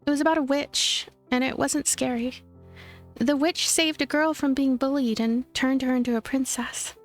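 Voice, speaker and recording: A woman voicing an earnest, gentle but stubborn young witch while reading a visual novel aloud. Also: high voice, fairly even intonation, moderate pace, soft background music. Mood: defensive.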